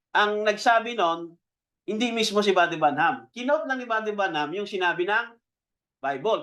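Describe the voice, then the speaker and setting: A Filipino-accented man preaching a teaching sermon, chatty and checking in with the congregation, slowing down to stress key words. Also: high-pitched, a bit bright. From Philippines. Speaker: pastor.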